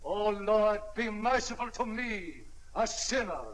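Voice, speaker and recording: Fervent preacher, high voice, solemn pleading prayer, old film sound. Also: male voice, animated, unhurried, rough recording. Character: man praying aloud about sinners, fervent. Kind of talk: 1940s film acting.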